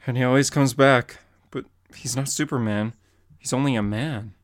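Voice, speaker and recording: A man's voice: medium pitch, normal speed, no echo, clean studio sound, lightly acted. A man voicing a cheeky teenage boy sidekick in a dramatic comic reading, asking curious questions.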